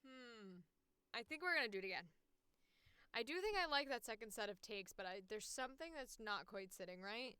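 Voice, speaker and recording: A woman's voice: a little high, lively intonation, fairly quick, bright, forceful tone, clean tone, no room sound. A woman voice actor chatting casually on a livestream between takes.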